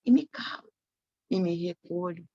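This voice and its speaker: A woman's voice: fairly low pitch, unhurried, warm tone, no echo. A woman giving a reflective spiritist sermon, often tagging her phrases with a questioning "né". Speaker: spiritist lecturer. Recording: dull lo-fi dry recording.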